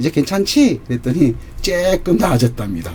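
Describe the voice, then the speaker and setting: A man's voice amid noticeable background noise. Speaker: professor. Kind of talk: lecture. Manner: somewhat halting.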